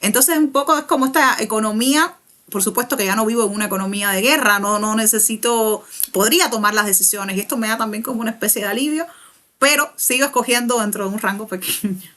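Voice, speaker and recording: A young Cuban woman with a Cuban Spanish accent, a writer answering interview questions thoughtfully, pausing and restarting as she searches for words. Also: a little high, pushed and bright. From Cuba. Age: young adult. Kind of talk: reflective conversational interview.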